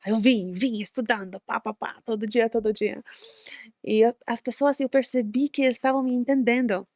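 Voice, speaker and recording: A woman's voice: on the high side, steady tone, normal speed, a little mellow, dry recording, studio quality. Non-native woman, hesitant, searching for words. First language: not Portuguese. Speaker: guest entrepreneur. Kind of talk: casual interview chat.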